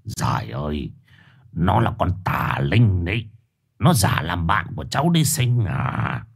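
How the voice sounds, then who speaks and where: A man voicing a sly old male shaman who lectures sternly and insists with a husky voice. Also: low-pitched, very animated, a little slow, exaggerated voice. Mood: stern accusing.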